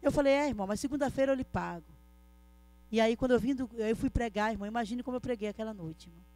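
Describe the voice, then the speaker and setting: A woman's voice: fairly high pitch, fast, a little mellow. A middle-aged woman telling her story in an emotional church testimony, earnestly addressing her listeners as brothers. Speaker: church speaker giving a testimony.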